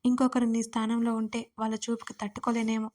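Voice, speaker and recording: A woman's voice: a little high, monotone, a little fast, a little mellow, close to an everyday voice. A woman reading the lines of an anxious, tearful young woman in a narrated audio story, pleading in tone. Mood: distressed.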